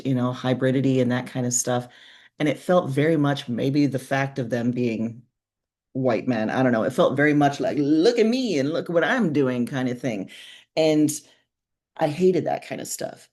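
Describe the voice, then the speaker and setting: A woman's voice: rumbling low, a little mellow. Woman author answering interview questions informally. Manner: informal, reflective, explanatory. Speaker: guest author. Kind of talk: casual, conversational interview answers.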